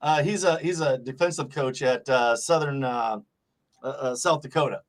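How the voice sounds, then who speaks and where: A man's voice: medium pitch, moderate pace. A man hosting a casual interview, joking, swearing freely and laughing often. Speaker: host.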